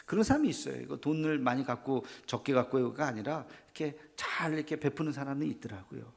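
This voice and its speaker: Animated pastor with a gravelly voice. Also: male voice, medium pitch, fast. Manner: animated, asks the congregation questions and acts out little scenes. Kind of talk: sermon.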